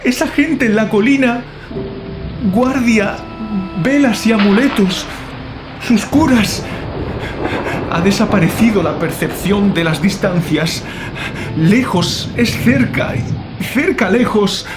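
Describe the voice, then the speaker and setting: A man voicing a terrified writer descending into madness in a horror audiobook, anguished, halting and fevered in his declamation. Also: high-pitched, lively intonation, poor audio. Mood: panicked, deranged. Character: terrified male writer descending into madness, writing final frantic notes. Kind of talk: dramatized horror audiobook monologue. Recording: loud music under the voice. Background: loud music.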